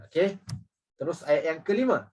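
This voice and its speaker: A man teaching Quran recitation, drilling each phrase slowly and correcting mistakes as he repeats it. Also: on the high side, animated, a little mellow, breathy edge. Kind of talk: tajwid lesson, correcting recitation. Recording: voice distant from the mic.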